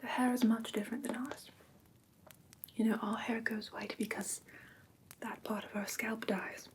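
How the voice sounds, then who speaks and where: A woman plays a soothing female vampire who teaches human pet care in an ASMR roleplay. She whispers breathily and patiently, with gentle check-ins, over clear background hiss. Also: a little high, lightly acted.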